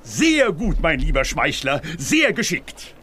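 A pompous town mayor from a children's radio play, jovial and self-important. His voice sits high for a man and swings up and down, with faint noise behind it. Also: wildly swooping pitch, takes it slowly, bright, forceful tone, exaggerated voice. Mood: smug, jovial. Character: pompous, flattering town mayor, pleased with a scheming ally. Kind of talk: German children's audio drama acting.

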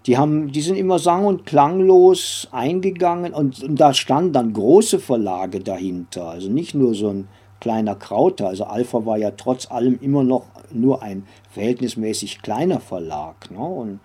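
An older man recalling his working life as an interview guest, halting and digressive, often adding little tag questions. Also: medium pitch, animated, mellow, husky. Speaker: interview guest, former comics publisher and editor. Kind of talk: conversational interview recollection.

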